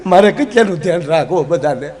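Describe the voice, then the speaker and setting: A man's voice: a little high, animated, fast talker, darkish tone, close to an everyday voice. A man doing a nagging, fed-up goddess wife. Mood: scolding. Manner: nagging, complaining. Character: exasperated goddess wife scolding her absent husband.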